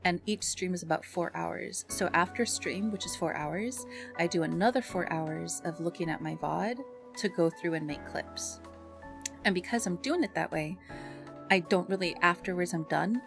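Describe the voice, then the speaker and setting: A woman livestreamer chatting casually with viewers in a bubbly, expressive and affectionate way. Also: lowish voice, creaky. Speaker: live streamer and ASMR content creator. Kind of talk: casual livestream chat with viewers, greeting them and reading messages. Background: background music.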